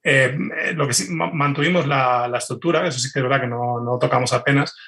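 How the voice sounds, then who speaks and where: A man speaking as a guest in a casual interview, halting and rephrasing as he explains. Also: medium pitch, sharp tone. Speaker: guest, audio fiction writer. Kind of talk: casual conversational interview answers.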